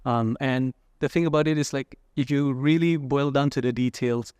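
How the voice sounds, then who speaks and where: A man's voice: mid-range voice, fairly even intonation, moderate pace, darkish tone, smooth, no room sound. A man from Indonesia, an entrepreneur being interviewed, talking reflectively with many fillers and "right?" tags. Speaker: entrepreneur guest. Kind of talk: casual interview talk.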